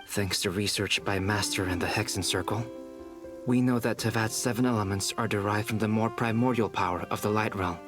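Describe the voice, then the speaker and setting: A man's voice: lowish voice, natural voice. An actor playing an earnest young male researcher in a video game, speaking formally and analytically. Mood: calm, helpful. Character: earnest scholarly young man, meticulous inventor and researcher. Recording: game music behind the voice.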